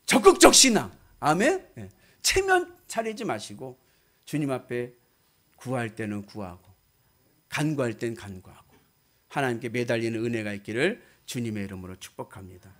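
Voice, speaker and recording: A man's voice: a little high, a bit bright. A man preaching a sermon as a pastor, exhorting emphatically and putting questions to his listeners. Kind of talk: sermon with storytelling and direct questions to congregation.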